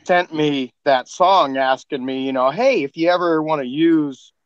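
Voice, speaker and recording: Podcast host dude, friendly, a bit high voice, dull lo-fi audio. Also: male voice, a little slow, no echo. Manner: friendly, addresses others as man. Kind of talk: casual podcast discussion.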